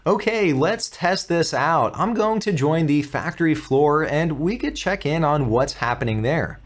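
A man in his thirties with an American accent, hosting a step-by-step software tutorial in an upbeat, clearly articulated, instructional way. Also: fairly high pitch, expressive, a little slow. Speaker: tutorial host.

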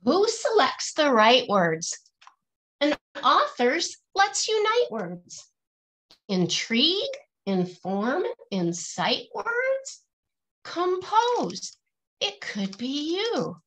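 A woman's voice: high-pitched, wildly swooping pitch, extremely slow, fairly bright tone, low-quality recording. A middle-aged woman reading a picture book aloud to children in a singsong, teacherly way, stressing the rhymes and asking questions.

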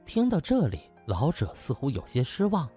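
Animated male storyteller over music. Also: mid-range voice, moderate pace, breathy edge. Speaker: audiobook narrator. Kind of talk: dramatised storytelling narration of a comic novel. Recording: music under the voice. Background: background music.

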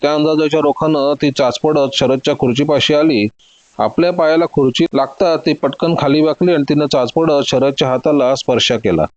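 A man narrating a detective story in a steady, dramatic reading. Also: fairly high pitch, brisk, dry recording, lo-fi sound.

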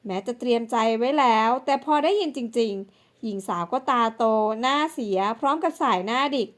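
High-voiced woman narrating an audiobook. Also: normal speed. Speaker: storyteller.

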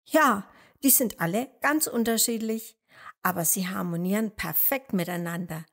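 A woman voicing an excitable, cheerful young male hare in a storybook tale, exclaiming with enthusiasm. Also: medium pitch, normal speed. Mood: delighted.

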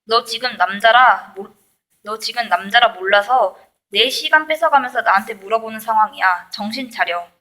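A woman reads a nonfiction book aloud in a bright, edged voice that sits a little high. She moves through each line briskly and with point, like an audiobook narrator. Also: rough recording. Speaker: audiobook reader.

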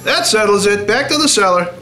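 High male voice, actor as irritable stubborn family man, argumentative, radio drama, music behind. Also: animated, brisk, sharp tone. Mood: stubborn, irritated. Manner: argumentative, insistent. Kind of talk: stage radio-play acting. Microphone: stand microphone on a stage. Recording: music under stage performance.

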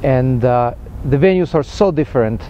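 A man in his forties speaking thoughtfully and haltingly in an interview as a university music director. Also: mid-range voice, lively intonation, mellow, a little hiss or hum. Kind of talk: interview talk to camera. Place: outdoors on a campus lawn.

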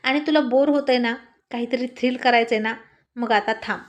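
A woman's voice: on the high side, steady tone, moderate pace, highs cut off, lightly acted. A woman reading the lines of a smug, scheming young male prankster. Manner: smug, sly.

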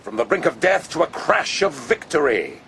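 A haughty aristocratic army officer in a radio play. He is sly and spiteful, drawling with pompous, cool sardonic polish over a noticeable low rumble of background noise. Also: sing-song, moderate pace, gravelly, a bit bright, heavily acted. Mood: boastful. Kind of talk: radio drama acting.

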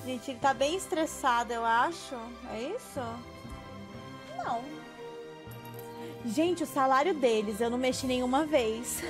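High-voiced young Brazilian woman streaming. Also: measured pace, pauses often. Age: young adult. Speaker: game streamer. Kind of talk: casual live game commentary. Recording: game music behind the voice.

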